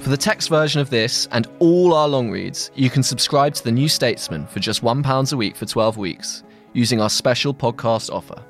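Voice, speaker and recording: A man reading a scripted long-form article aloud in a measured, articulate, literary manner. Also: mid-range voice, animated, soft background music. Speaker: narrator of a long-read magazine article.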